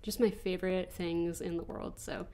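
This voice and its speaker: A woman's voice: fairly low pitch, steady tone, normal speed, mellow, smooth. A woman in her twenties with an American accent, stuffy from allergies, chatting casually as she answers viewer questions over gameplay. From United States. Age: 20s. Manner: chatty, rambling, frequent ums and restarts. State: congested from allergies. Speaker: gaming channel host.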